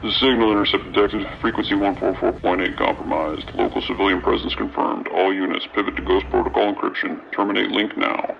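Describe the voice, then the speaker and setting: An actor playing a cold, disciplined military operative with clipped, terse delivery over a field radio in a radio drama. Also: male voice, low-pitched, steady tone, a little fast, gravelly, few pauses, dull audio, slight background noise. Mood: cold, commanding.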